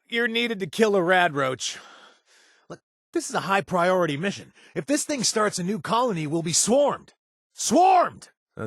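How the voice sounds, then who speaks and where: A laid-back, joking mercenary for a video game, talking casually with plenty of filler sounds. His pitch swings freely from low mutters to high jabs. The recording is dry and close. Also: fairly bright tone, dry recording, heavily acted. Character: wisecracking young adult male mercenary, laid-back. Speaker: quest-giving companion. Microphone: dry studio recording.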